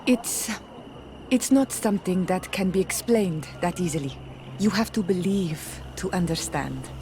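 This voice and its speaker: A woman's voice: fairly low pitch, measured pace, a little mellow, a little hiss or hum, natural voice. A woman acting a guarded, disapproving young tribal apprentice in a video game, speaking firmly.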